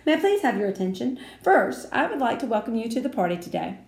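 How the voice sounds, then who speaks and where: A woman's voice: on the high side, very animated, fast, vocal fry, a little mellow, echoey room, voice pushed up. A woman voicing a formal, pompous father who makes announcements at a party.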